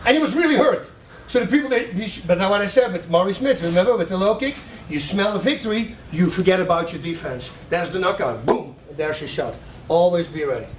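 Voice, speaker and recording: A high-voiced man coaches a striking class in a training gym. He counts out combinations with punch sounds and shouts cues to his students. He sounds far from the camera, in a roomy hall with faint noise behind him. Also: animated, brisk. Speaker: martial arts coach.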